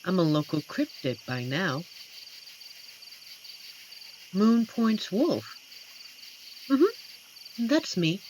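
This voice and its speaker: A woman voicing an amiable, playful female werewolf who guards a forest, in a scripted audio roleplay spoken to the listener with a teasing, chatty manner and dramatic pauses. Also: mid-range voice, slight background noise, rough recording. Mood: cheerful, chatty.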